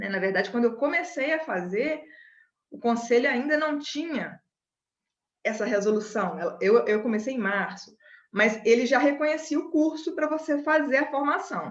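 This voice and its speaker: High-pitched female voice, full of lively intonation. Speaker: pharmacist, acupuncturist and lecturer. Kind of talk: lecture. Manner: fast.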